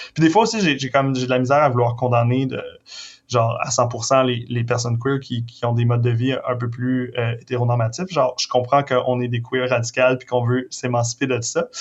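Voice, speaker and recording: Somewhat breathy and fairly quick, the speech comes with a Quebec accent and a monotone, flat intonation. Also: man, medium pitch for a man. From Quebec, Victoriaville. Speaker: artist and researcher. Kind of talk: interview. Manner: halting, many fillers.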